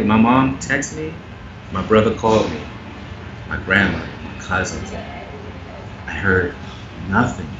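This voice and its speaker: Interview guest: earnest man with a low voice, recorded far off the mic in an echoey space. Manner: earnest, animated, rising in pitch when making a point. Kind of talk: candid conversational interview. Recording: echoey, muffled, noisy remote audio.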